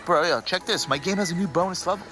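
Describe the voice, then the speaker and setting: An actor in his twenties playing a lazy, excitable gamer bro with a slangy slacker delivery in a comedy audio drama. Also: high-pitched, fast, music in the background, close to an everyday voice. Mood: excited. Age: 20s.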